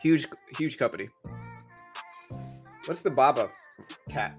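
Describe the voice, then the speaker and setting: A man's voice: mid-range voice, lively intonation, slow, soft background music. A man hosting a livestream, chatting casually and informally, speaking directly to his viewers. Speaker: livestream host.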